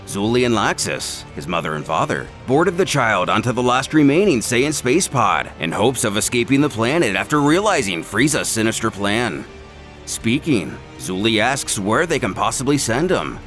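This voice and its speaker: Guy doing dramatic story narration, really animated pitch, emphatic delivery, music playing behind him. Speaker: narrator and video host. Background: background music.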